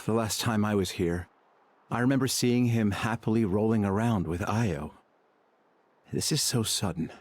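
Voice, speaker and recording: A man's voice: lowish voice, moderate pace, darkish tone, no echo, lightly acted. A man playing a sociable, easygoing tribal chief in a video game, speaking conversationally. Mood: concerned.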